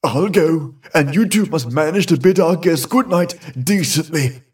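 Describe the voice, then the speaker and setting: A flustered elderly gentleman, head of a haunted household, as a male reader puts him on. He speaks slowly in a raised, husky voice, blustering and then ordering everyone about. The voice sits a little back from the mic. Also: fairly high pitch, animated, far from the mic. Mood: grave. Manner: blustering, exclaiming, then commanding.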